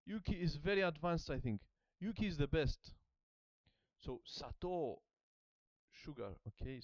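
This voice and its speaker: A man's voice: a little high, dry recording. Hesitant man practicing aloud. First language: German. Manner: hesitant, repeats words while working them out; soft self-conscious laughs. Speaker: language learner. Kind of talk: thinking-aloud study session. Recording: slightly muffled dry sound.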